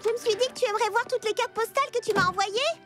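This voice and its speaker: A sweet little girl in a children's cartoon. The voice is extremely high and childlike, with a polite, patient, slightly hesitant delivery. Music is clearly heard behind the dialogue. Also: fast. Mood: friendly. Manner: tactful, gentle, hesitant. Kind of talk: dubbed children's cartoon acting.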